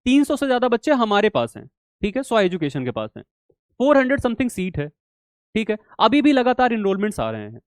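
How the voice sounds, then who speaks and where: A man's voice: sits high, wildly swooping pitch, brisk, no echo. A young man teaching a live online exam-prep class in a casual manner, often checking in with his students. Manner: casual, repeats "theek hai" and "clear", addresses students as bhai. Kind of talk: live online class, solving quiz questions.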